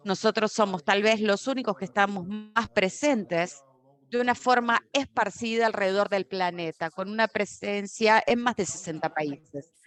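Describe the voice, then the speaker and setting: A woman giving a simultaneous interpretation of a corporate conference talk, steady but often correcting herself mid-word. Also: mid-range voice. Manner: steady with frequent self-corrections and restarts.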